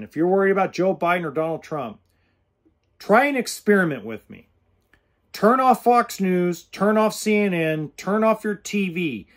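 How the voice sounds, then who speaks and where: A high-voiced man in his forties hosts a podcast, giving casual, blunt, earnest straight talk directly to the camera while gesturing with his hands. He sits indoors in an RV or home kitchen, close to a studio mic with a pop filter.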